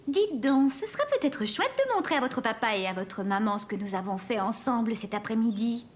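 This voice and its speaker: A woman's voice: a little high, expressive, fairly quick, close to an everyday voice. A woman playing an upbeat, encouraging young babysitter in a children's cartoon. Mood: friendly.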